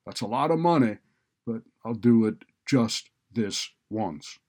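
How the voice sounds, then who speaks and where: A man voicing a callous, sarcastic male college dean in a story, loud and exasperated. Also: on the low side, lively intonation, unhurried. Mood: grudging. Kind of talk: audiobook character dialogue.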